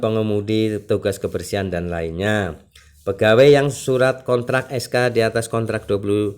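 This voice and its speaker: A man hosting an online channel, reading news aloud with informal, reassuring explanatory asides. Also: on the low side. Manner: reassuring, explanatory asides, often ending phrases with "ya". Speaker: YouTube channel host.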